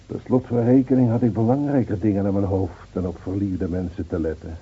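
An actor playing a gentle older village man who reminisces, hesitant and reflective, in a radio drama. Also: fairly low pitch, steady tone, a little fast, husky. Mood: fond, reminiscing. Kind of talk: Dutch radio drama acting. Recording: dull old radio recording.

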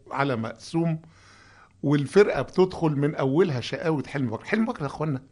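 A man's voice: medium pitch, breathy edge. A man with an Egyptian accent who hosts a music commentary, reciting song lyrics aloud and humming melodies as he explains them. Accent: Egyptian Arabic. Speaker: host explaining songs.

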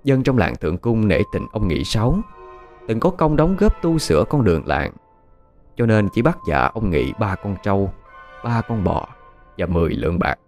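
A man with a low voice narrates an audio story in a measured, expressive manner. His pitch moves freely up and down to carry the drama. Quiet music sits behind him. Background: faint background music.

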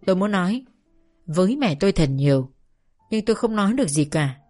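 A woman narrating a novel aloud in a calm, measured first-person reading. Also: mid-range voice, faint music behind. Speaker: audiobook narrator. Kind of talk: scripted narration.

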